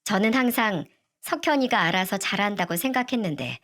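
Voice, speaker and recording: A middle-aged woman narrating a first-person family story in a steady, even manner. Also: medium pitch, brisk.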